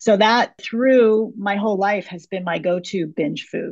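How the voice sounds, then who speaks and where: In a quiet background, a woman with an ordinary speaking voice talks at a medium pitch with ordinary pitch variation. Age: 60s. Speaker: podcast guest sharing recovery story. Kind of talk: interview testimony.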